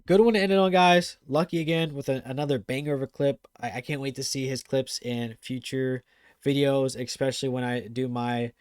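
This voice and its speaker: A man hosting a gaming channel, giving casual commentary over viewer clips; he talks fast and gets excited, with lots of fillers. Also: mid-range voice.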